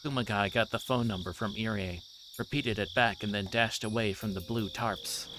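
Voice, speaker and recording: A man's voice: fairly low pitch, steady tone, normal speed, noisy background. A man livestreaming a visual novel, reading its narration aloud and chatting with viewers. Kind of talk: narrating a game with asides to chat.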